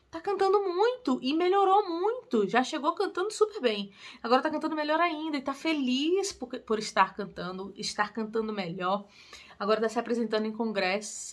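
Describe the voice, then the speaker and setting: A young adult woman, a singing teacher giving casual advice to camera in a lively, encouraging way. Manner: lively and encouraging, with quick pitch lifts on emphasis. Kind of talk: casual tutorial talk to camera.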